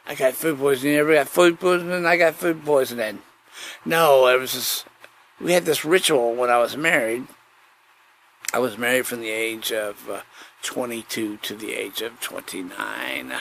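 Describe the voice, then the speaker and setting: A man rambling casually through a solo podcast monologue, halting and digressive, often repeating himself. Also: mid-range voice, fairly bright tone. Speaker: podcast host. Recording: clearly noisy background.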